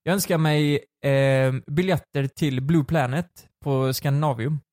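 Young man, animated storyteller, slightly higher voice, dry close sound. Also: dry recording. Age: 20s. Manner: animated storyteller, swears freely. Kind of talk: casual chat.

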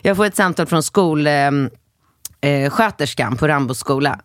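Animated, swearing Swedish-speaking mom host. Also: female voice, deep voice, no echo, clean studio sound. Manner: animated storyteller, swears casually. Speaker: podcast co-host. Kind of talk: casual chat.

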